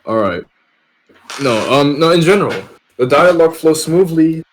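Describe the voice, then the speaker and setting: A man's voice: fairly high pitch, expressive, normal speed. A man chatting casually on a podcast, joking and self-deprecating. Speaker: podcast reader and co-host. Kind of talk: casual group chat. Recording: clearly noisy background.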